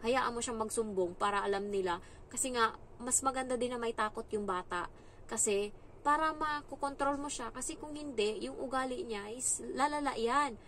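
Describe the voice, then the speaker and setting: A young woman from the Philippines, a domestic helper, chatting on her vlog and giving advice in a lively storytelling way, acting out other people's lines. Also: fairly high pitch, moderate pace, a little hiss or hum, low-quality recording. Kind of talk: casual advice chat. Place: employer's home abroad.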